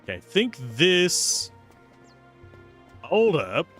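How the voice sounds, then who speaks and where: A young man streams a game and chats through it, joking and reacting aloud. His slightly raspy voice is bright and very lively in pitch. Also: extremely slow, soft background music. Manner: chatty, jokey, reacts aloud. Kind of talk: casual gameplay commentary.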